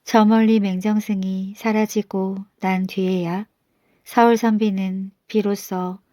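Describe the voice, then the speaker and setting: A woman storyteller narrating an old folktale for bedtime, gentle and unhurried. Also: medium pitch, little pitch movement, no room sound, studio quality.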